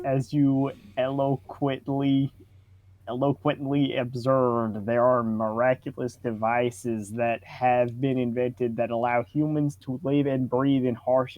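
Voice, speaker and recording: A man voicing a pompous, condescending, well-read online debater in a comic reading, measured and sardonic with elaborate wording. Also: mid-range voice, a little mellow, no room sound, close to an everyday voice, rough recording. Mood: mock-polite.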